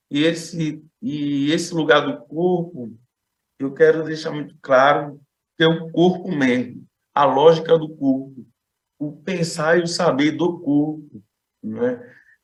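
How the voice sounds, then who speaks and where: With a Recife accent, a man speaks at a fairly high pitch with ordinary pitch variation, and audible room echo is present. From Brazil, Recife. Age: young. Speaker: psychoanalyst. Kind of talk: conference talk. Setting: conference panel.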